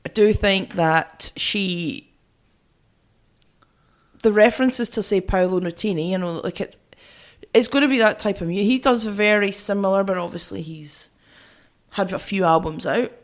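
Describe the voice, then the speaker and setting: A woman's voice: mid-range voice, measured pace, pauses often. A woman co-hosting a music review podcast in casual chat, thinking aloud as she weighs her opinions. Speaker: podcast co-host reviewing albums.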